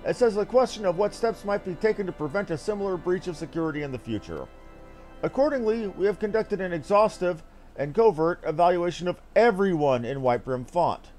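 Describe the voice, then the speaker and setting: A high-voiced man performs fantasy game dialogue aloud with a very lively, swooping intonation. His delivery is formal and theatrical, and music plays behind him. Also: a little fast. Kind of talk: dramatic read-aloud of fantasy game script.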